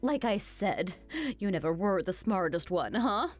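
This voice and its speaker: A woman's voice: mid-range voice, animated, unhurried, faint music behind. Woman voicing a sneering cruel mother-in-law. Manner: sneering, insulting, mocking. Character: cruel older mother-in-law, spiteful and greedy. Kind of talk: animated story voice acting.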